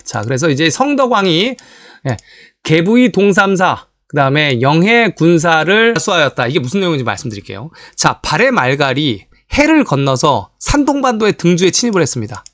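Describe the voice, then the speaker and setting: A man delivers a history lecture in a lively, sweeping voice that sits a bit high for a man. He talks straight to his audience and leans on rhetorical questions to drive home his points. The recording is dry and close, with no room sound. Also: no echo. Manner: animated, rhetorical questions, addresses viewers directly.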